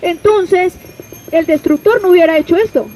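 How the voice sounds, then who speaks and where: Outdoors on a city street, a Colombian woman preaches an open-air sermon, pressing listeners with rhetorical questions and addressing them directly. Her voice is extremely high yet mellow, at a moderate pace, and the recording is rough.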